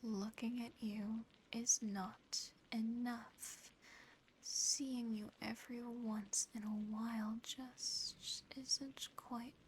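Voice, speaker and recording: A woman's voice: a little high, level tone, drawn-out words, slight background noise. A woman voicing a seductive, possessive female demon in a whispered ASMR roleplay, close to the microphone, with a teasing, smug delivery. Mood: hungry, intimate. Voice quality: soft, breathy whisper. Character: seductive, possessive female sleep-paralysis demon admiring a human.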